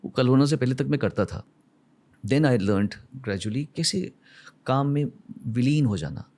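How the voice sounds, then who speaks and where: A middle-aged man from India, talking as a guest in an unhurried, heartfelt way. His pitch sits at an ordinary middle level. He shifts between quiet, inward moments and warmer, fuller stretches as he reflects on his work. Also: expressive. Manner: earnest, emotional, mixes English into his speech. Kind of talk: reflective conversational storytelling.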